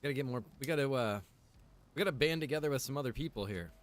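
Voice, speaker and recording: A man's voice: medium pitch, fast. A man with a mid-range voice talks to his livestream viewers as host. His style is casual and chatty. He rambles and halts as he goes, dropping in informal asides. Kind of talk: casual chat to stream viewers.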